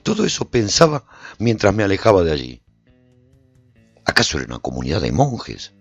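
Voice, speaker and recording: A man playing a bewildered, uneasy apocalypse survivor in a radio serial, narrating in a theatrical, brooding manner with a gravelly, husky voice. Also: fairly low pitch, dry recording, heavily acted. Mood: indignant, baffled. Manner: theatrical, brooding, with rhetorical questions. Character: bewildered, uneasy male survivor of an apocalypse, recounting his escape. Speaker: narrator and radio program host within the serial. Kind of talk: dramatic first-person radio serial narration.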